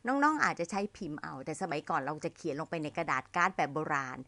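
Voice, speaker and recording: A middle-aged woman with a Thai accent teaches younger listeners how to MC events in a warm, very animated, casual lesson, treating them like younger siblings, as an older sister would. She speaks at an ordinary pitch and slows down to model English phrases. The recording is dry and close, with no room sound.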